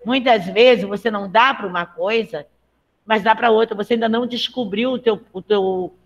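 A woman's voice: fairly high pitch, normal speed, gravelly, dull audio. A woman teaching a live online Portuguese lesson, chatty and encouraging, often checking in with her students.

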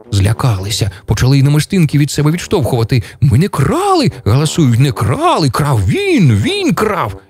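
A man telling a fairy tale to children on a radio program, in an animated, sing-song storytelling manner. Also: mid-range voice.

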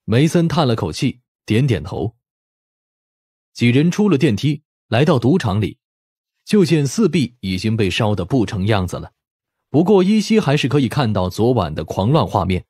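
A man's voice: mid-range voice, sing-song, normal speed, warm tone, husky, no room sound, studio quality. A man reading scripted story narration expressively, as an audiobook narrator.

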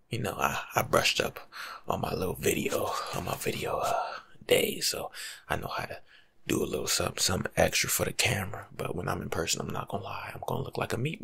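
A young American man giving rambling, slangy ASMR life advice in a hushed, breathy voice, playful and animated, close to the mic in a room at home. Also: low voice. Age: young adult. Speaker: ASMR video creator. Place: small indoor room at home.

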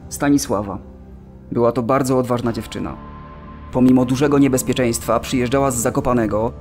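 An actor playing a solemn camp survivor, remembering in a deliberate, reflective radio drama monologue. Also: male voice, mid-range voice, darkish tone, close to an everyday voice.

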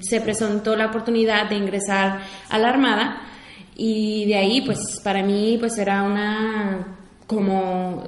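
A woman in her twenties, from Mexico, with a Mexican Spanish accent, giving an informal talk in a university hall with many fillers and restarts. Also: mid-range voice. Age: 20s. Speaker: invited speaker, war veteran. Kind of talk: public talk to an audience. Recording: echoey lecture hall.

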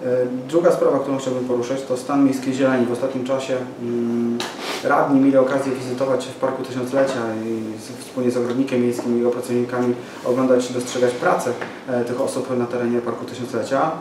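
The speaker is a man in his forties, a local party activist at a press conference, talking fairly quickly in a mid-range voice with little pitch movement. His statement is hesitant, packed with fillers and restarts. Recorded by a distant camera mic in a small windowed office, it sounds echoey and noisy.

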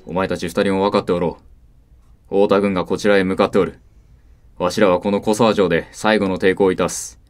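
A man's voice: low voice, steady tone, brisk, faint music behind, natural voice. An actor playing a stern, authoritative samurai castle lord and father in a historical voice drama. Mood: grave, resigned. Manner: archaic, authoritative samurai speech. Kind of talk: Japanese historical voice drama acting.

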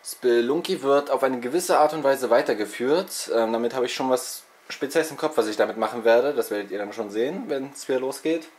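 A young gaming-channel host talks a little fast with few pauses, his mid-range voice a bit mellow, as he rambles self-mockingly through a casual info vlog packed with fillers. A touch of cold congestion colors his speech, recorded indoors in a bedroom with TV and consoles via a handheld camera's built-in mic.

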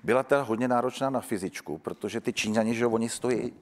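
A man, an actor and talk show guest, telling lively anecdotes and mimicking other people's voices. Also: mid-range voice. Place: theatre stage at a public taping. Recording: theatre hall reverb.

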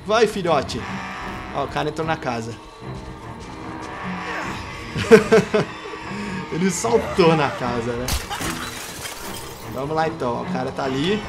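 Excitable Brazilian man narrating gameplay. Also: on the high side, slow, creaky, long pauses, over music. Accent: Brazilian Portuguese. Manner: playful trash talk, bursts into excited shouts. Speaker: gameplay youtuber. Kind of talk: gameplay commentary.

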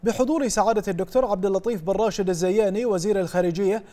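A man reading a formal news report as a news reader, in a measured broadcast delivery. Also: high-pitched, dark tone. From Bahrain.

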